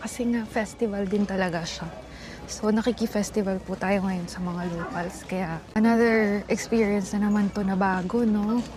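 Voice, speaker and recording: A woman speaks quietly at medium pitch with ordinary pitch variation. Noticeable background noise runs underneath. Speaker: travel vlogger. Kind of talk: travel vlog narration. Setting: outdoors. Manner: quieter, subdued.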